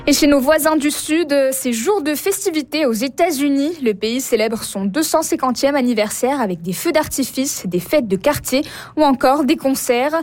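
A woman with a Canadian French accent reading a scripted radio news bulletin in a measured, formal manner. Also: high voice, lively intonation, a little mellow, faint music behind. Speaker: radio newsreader. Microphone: studio microphone.

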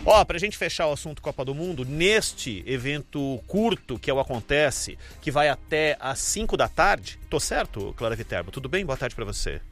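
A man hosting a live radio sports program, with a medium-pitched, conversational voice. He chats loosely and calls on his reporters by name. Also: big pitch swings, normal speed, hardly any pauses, a bit bright, faint music behind.

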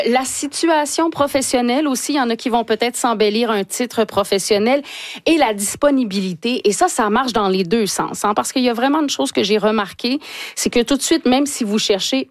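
A woman's voice: fairly high pitch, fairly quick, no room sound. A woman, presenting a chatty radio segment as a columnist.

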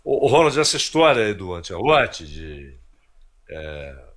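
A man's voice: sits low, very animated, unhurried, fairly bright tone. A man commentating on a radio sports show, telling anecdotes and repeating words as he thinks. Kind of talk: casual radio chat.

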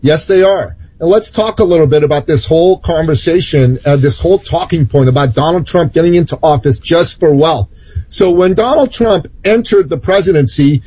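A woman's voice: sits low, warm tone, breathy edge, no room sound, low-quality recording. A woman from Iran, a guest commentator making emphatic, indignant political points. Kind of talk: political talk.

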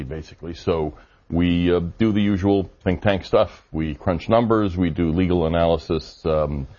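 A man with a very deep voice answers interview questions steadily, pausing on fillers as he thinks. The audio is a little dull, like broadcast TV sound. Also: darkish tone. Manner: measured, hedging with fillers. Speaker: think tank director, guest.

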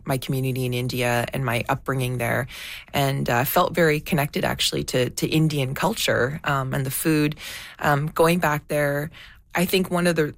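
A woman documentary filmmaker answering interview questions thoughtfully, often pausing and restarting as she searches for words. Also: sits low, gravelly, no room sound.

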